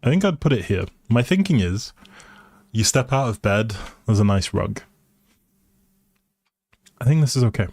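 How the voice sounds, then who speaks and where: While playing a building game live, a man chats informally, weighing little decisions out loud and talking back to his viewers. His voice sits on the low side with a darkish tone, animated at normal speed, with long pauses.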